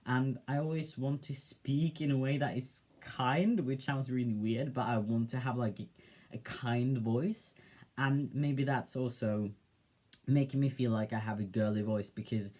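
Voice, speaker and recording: Soft-spoken young man musing on camera. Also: mid-range voice, steady tone, a little slow. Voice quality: soft, gentle voice. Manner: reflective, hesitant, with many fillers. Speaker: vlogger. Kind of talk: casual personal vlog.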